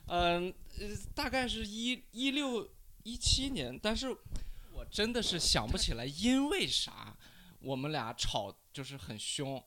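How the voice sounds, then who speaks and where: Male guest, hesitant storyteller, bright voice with lively pitch. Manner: hesitant, halting storyteller with frequent restarts. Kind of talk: casual storytelling.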